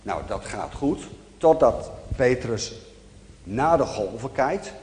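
A male preacher gives a sermon, explaining scripture in a calm, measured teaching voice. He speaks slowly and deliberately, at a mid pitch. The sound is roomy, with a long hall reverb trailing each phrase.

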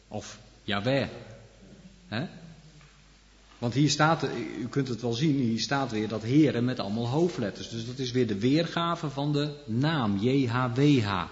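A man preaching a sermon, walking his listeners through Bible verses and tossing in frequent little asides to check they follow. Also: medium pitch. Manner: explains scripture, leans on frequent "hè" asides. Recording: long hall reverb, dull lo-fi sound.

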